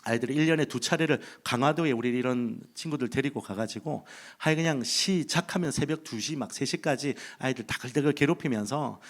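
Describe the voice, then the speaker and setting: A man's voice: medium pitch, fairly quick, hardly any pauses. A man from Busan preaching a sermon from the pulpit of a church sanctuary, speaking into a handheld mic and telling a humorous story with acted inner thoughts. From Busan, South Korea. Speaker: pastor.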